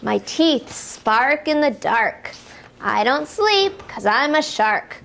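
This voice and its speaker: High-pitched, animated woman reading to children. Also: takes it slowly, vocal fry. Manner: encouraging, asks the children questions and prompts them to join in; exclaims action words playfully. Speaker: storytime reader for young children. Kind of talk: animated read-aloud of picture books to children.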